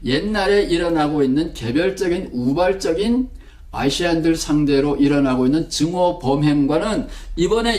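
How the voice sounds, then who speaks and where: Male theology lecturer from Gangwon, Korea; animated, acts out quotes, pitch leaping up and down. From Gangwon Province, Korea. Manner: animated storytelling, acting out quoted remarks.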